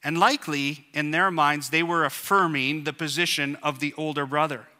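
Male pastor, high voice, very bright and forceful, earnest sermon, long church reverb. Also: fairly even intonation. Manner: earnest, measured preaching.

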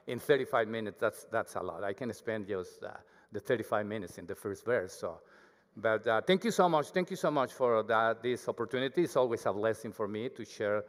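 A man's voice: fairly low pitch, animated, moderate pace. A man with a thick Mexican accent, Spanish his first language, preaching a humble, chatty sermon as a guest speaker. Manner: humble, self-deprecating, chatty with the congregation. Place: church. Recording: hall reverb.

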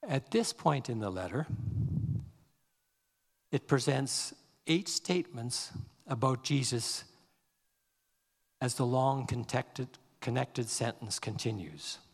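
A man preaching a sermon, reading scripture aloud slowly and leaning on key words. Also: mid-range voice, animated, slightly rough, big-room sound. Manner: slow, measured delivery, reading scripture aloud with deliberate emphasis. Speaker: pastor.

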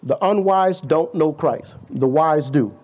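A man's voice: fairly high pitch, slow, darkish tone, muffled recording. A man in his fifties preaching a conversational sermon in a church, full of rhetorical questions and playful asides. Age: 50s. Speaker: guest preacher.

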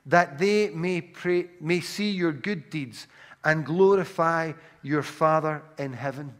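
Glaswegian guy giving a sermon, kinda high voice, storytelling, lots of restarts. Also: takes it slowly, fairly bright tone. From Scotland. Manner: anecdotal storytelling with frequent restarts. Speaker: preacher.

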